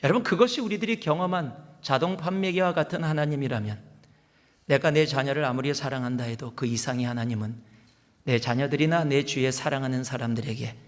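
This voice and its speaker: A man's voice: medium pitch, a little fast. A male pastor preaching a sermon, telling stories and acting out the people he quotes. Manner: storytelling preaching that acts out quoted speakers. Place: church sanctuary. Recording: long reverb of a large church hall.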